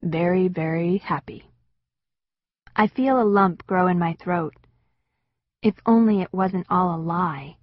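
A woman narrating an audiobook in the first person with an expressive, wistful storytelling manner. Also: lowish voice, unhurried, no room sound, muffled recording.

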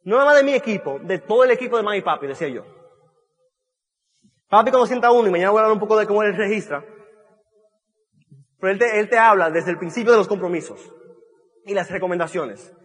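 A man's voice: high voice, fast talker, long pauses, breathy edge. A man giving an emphatic motivational talk to an audience, repeating key phrases and restarting mid-sentence. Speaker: motivational speaker at a business event. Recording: long reverb of a large hall.

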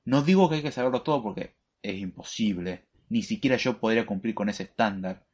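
A man's voice: on the low side, brisk, a little mellow, husky. A man, hosting a live programming lesson, lecturing in an opinionated, emphatic way. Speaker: programming show host.

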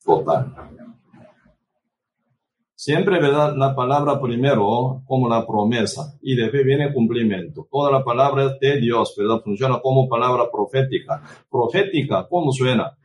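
A man's voice: mid-range voice, unhurried. A man preaching a sermon who tags nearly every phrase with a questioning "right?", restarts words and cites scripture by chapter and verse. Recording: voice distant from the microphone.

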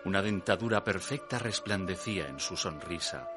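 An actor playing a pious priest who recounts his youth in solemn, measured, literary radio theatre narration. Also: low voice, expressive. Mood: awed, entranced. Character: pious male priest recalling his innocent youth and temptation. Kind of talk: dramatic first-person radio theatre narration. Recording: music under the voice. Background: music.

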